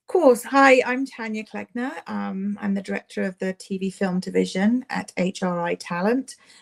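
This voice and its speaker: With an English accent, a woman speaks at a moderate pace with hardly any pauses, the sound dry and close with no echo. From England. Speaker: talent agent. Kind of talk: interview.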